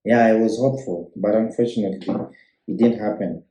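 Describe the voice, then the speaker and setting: A man with a Kenyan accent and a fairly low, mellow voice talks briskly as a guest in a casual interview chat. He's a business owner who chats easily, though with hesitant restarts. The recording comes from an echoey room in Kenya.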